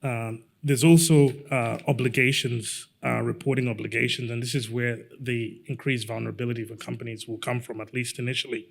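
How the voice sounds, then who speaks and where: A middle-aged man from Zambia gives a lawyer's conference talk, his voice gravelly and held to a narrow, even pitch. He speaks in a measured, halting way, often pausing on fillers. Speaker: lawyer giving a conference presentation. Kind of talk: conference presentation.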